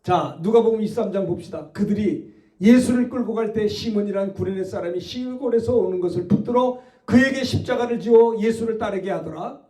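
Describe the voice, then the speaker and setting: Man, pastor, very high pitch; emphatic sermon delivery pressing the congregation with questions. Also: a little fast, dark tone. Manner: emphatic preaching with rhetorical questions.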